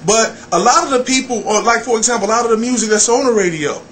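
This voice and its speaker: A middle-aged American man talking casually as an interview guest, blunt and animated, repeating phrases for emphasis. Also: very high voice, fast, a little hiss or hum. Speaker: radio personality and program director, interview guest.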